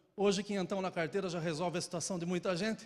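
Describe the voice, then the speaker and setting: This very clean recording, with a silent background, captures a man talking. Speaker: pastor. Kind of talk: sermon. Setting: church.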